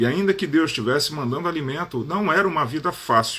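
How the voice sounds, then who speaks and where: Very wide swings in pitch from a man talking very fast. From Rio de Janeiro state, Brazil (Niterói). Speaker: preacher. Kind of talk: sermon.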